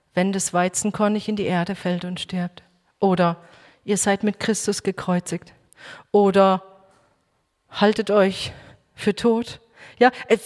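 A woman preacher giving a personal testimony sermon, emotional and halting, with frequent restarts. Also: medium pitch, darkish tone. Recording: echoey hall reverb.

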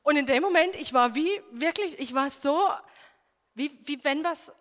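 A woman's voice: high-pitched, moderate pace. A woman preaching and giving a personal testimony, earnest and emphatic with many fillers. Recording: long hall reverb.

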